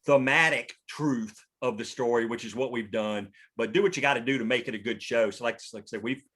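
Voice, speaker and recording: A man's voice: mid-range voice, a little fast, fairly bright tone, slightly rough. A man talking casually and emphatically as a screenwriter, explaining his thinking in a rambling way. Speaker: screenwriter leading a script table read. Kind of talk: casual discussion.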